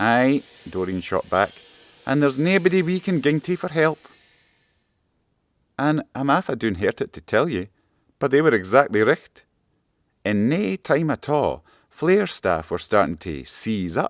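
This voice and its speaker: On a very clean recording with a silent background, a man with a Scottish accent speaks fairly slowly at a fairly high pitch, his pitch swinging very widely, with long, frequent pauses. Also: dry, close sound with no echo. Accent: Scots. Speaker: storyteller. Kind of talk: children's story narration.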